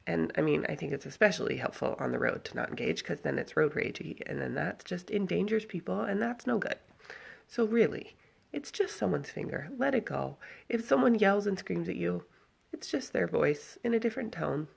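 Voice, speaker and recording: A woman's voice: on the low side, animated, normal speed. A woman with a scratchy voice telling a story and giving reflective advice casually to followers on a handheld phone. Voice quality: scratchy, husky voice. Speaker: vlogger speaking to followers. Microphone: handheld phone at arm's length.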